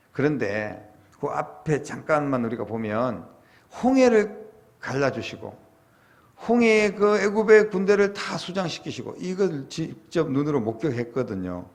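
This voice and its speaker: A middle-aged male pastor delivering a sermon at a mid-range pitch. He asks the congregation rhetorical questions and builds to emphatic, louder peaks before settling back down. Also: moderate pace, creaky. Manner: rising to animated, emphatic peaks when voicing complaint and prayer.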